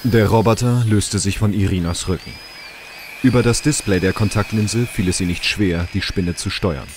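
A man's voice: lowish voice, moderate pace, noisy background, lightly acted. A man reading scripted narration as the storyteller of a radio drama.

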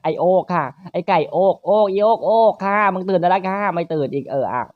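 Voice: no room sound, narrow, tinny audio. Crude, teasing game commentator. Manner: crude, teasing, rapid banter with frequent high laughs. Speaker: gaming channel host. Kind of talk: playful let's-play commentary.

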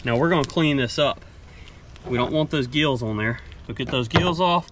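Man over clearly noisy audio. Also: medium pitch, normal speed. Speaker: fishing and cooking vlogger. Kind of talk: casual instructional narration while working. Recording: noisy action-camera audio, outdoors and kitchen.

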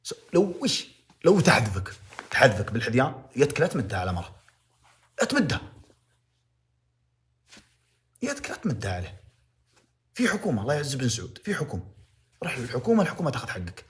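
Fast-talking Saudi man lecturing passionately. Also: mid-range voice, big pitch swings. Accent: Saudi Arabic. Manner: impassioned moralizing, repeats phrases for emphasis. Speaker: livestreamer. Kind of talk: casual livestream commentary.

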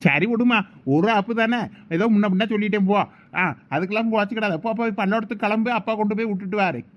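A man's voice: high voice, fairly even intonation, quick pace, muffled recording, natural voice. A man with a Thoothukudi Tamil accent playing an indulgent village father who soothes and spoils his daughter in a comedy skit.

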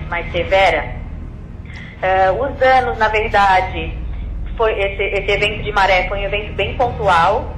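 A woman's voice: fairly low pitch, a bit bright. A woman explaining hesitantly as an official in a phone interview. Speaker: civil defense director, interviewee. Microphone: telephone. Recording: echoey phone call with faint noise.

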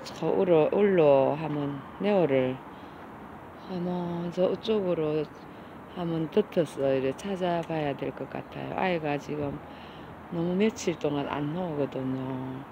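Middle-aged woman, slow doting voice coaxing cats, faint traffic behind. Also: deep voice, highs cut off. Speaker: cat caretaker vlogger. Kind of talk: casual vlog talk to stray cats. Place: outdoors by a street.

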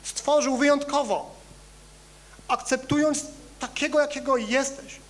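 A male pastor preaching a sermon in a church, animated and conversational, swinging between loud emphatic rises and quiet low asides while joking with the congregation. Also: a little slow. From Poland. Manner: conversational, addresses congregation directly with humor.

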